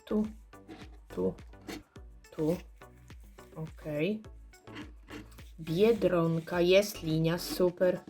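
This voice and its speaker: A hoarse woman calmly commenting while she scratches lottery cards and checks the symbols. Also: lowish voice, soft background music. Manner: slow, murmured checking of symbols. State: hoarse, clearing throat. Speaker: scratch card vlogger.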